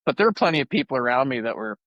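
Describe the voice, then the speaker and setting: A man hosts a podcast and talks in a relaxed, conversational way. He relates his own experience to what his guest has said. His voice is recorded close and dry. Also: medium pitch, rapid-fire, no echo, highs cut off. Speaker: podcast host. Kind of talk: casual interview chat.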